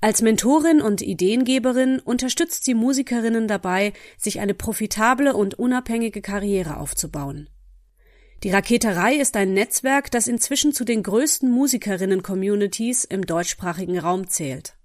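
A woman's voice: mid-range voice, moderate pace. A woman hosting a podcast interview, upbeat and friendly as she introduces and questions her guest. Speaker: podcast host.

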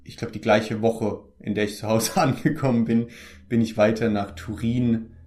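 A man's voice: fairly low pitch, fairly even intonation, moderate pace, a little mellow. A young man, an actor from the Palatinate in Germany, chatting casually in an interview, easygoing and full of hesitant fillers and restarts.

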